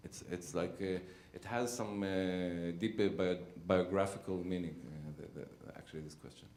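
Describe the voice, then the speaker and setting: A low-voiced man speaks slowly and haltingly, often stopping to search for the right word. His voice carries around a roomy theater hall, picked up by a handheld microphone. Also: steady tone, a little mellow. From Israel. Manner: halting, searching for words with many fillers. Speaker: playwright. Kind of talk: post-show talkback answers.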